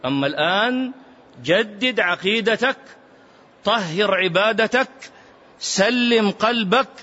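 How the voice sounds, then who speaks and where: A man's voice: sits high, pushed and bright. Emphatic man teaching a mosque lesson. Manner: emphatic, chanting some phrases, rhetorical questions. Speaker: religious teacher. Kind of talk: mosque lesson explaining hadith. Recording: muffled lo-fi recording.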